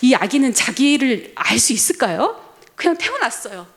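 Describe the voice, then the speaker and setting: Brief: woman pastor, sermon delivery, expressive, high-pitched, storyteller's lilt. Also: normal speed. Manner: animated storytelling with acted quotes, addressing the congregation. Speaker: preacher. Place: church.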